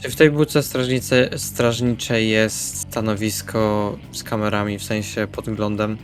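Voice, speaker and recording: A man's voice: lowish voice, flat delivery, measured pace. Casual male roleplayer with guitar music behind. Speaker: tabletop roleplaying player. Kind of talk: casual in-character game talk.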